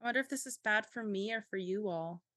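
A woman's voice: mid-range voice, quick pace, sharp tone, dry recording, clean studio sound. A woman playing a tabletop role-playing game, playful and giggly as she describes characters. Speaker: player. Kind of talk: casual tabletop play.

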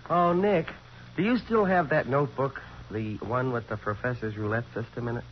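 An actor playing an eager, slangy newspaper reporter sidekick in a 1940s radio drama, with an American accent. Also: male voice, mid-range voice, moderate pace, close to an everyday voice. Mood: eager, sheepish. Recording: muffled, noisy 1940s radio recording.

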